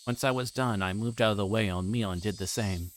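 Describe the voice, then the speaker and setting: A man livestreaming, reading a visual novel aloud and chatting casually to viewers with halting, rambling asides. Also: fairly low pitch, a little hiss or hum.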